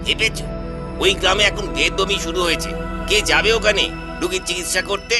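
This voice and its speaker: A man's voice: high voice, a little fast, loud music behind the voice, close to an everyday voice. A man playing a scoffing royal courtier in a children's cartoon, with a sneering, mocking manner.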